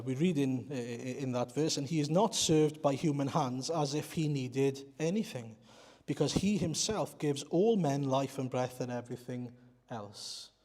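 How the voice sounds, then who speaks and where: A man's voice: mid-range voice, mellow. A man from Wales, a Welsh speaker, preaching a sermon in an earnest, explanatory way and putting rhetorical questions to the congregation. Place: church. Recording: reverberant church hall.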